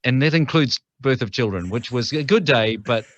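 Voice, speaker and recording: A man's voice: mid-range voice, lively intonation, normal speed, no echo, muffled recording. A middle-aged man with a New Zealand accent, a podcast guest telling stories in a chatty way with frequent restarts. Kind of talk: casual interview chat.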